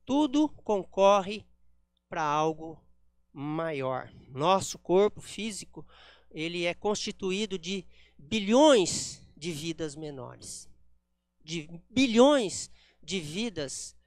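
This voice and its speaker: A man's voice: high-pitched, animated, slow pace, no echo. A man giving a spiritist lecture at a center, explaining ideas step by step with frequent "né?" tags. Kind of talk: public lecture with slides.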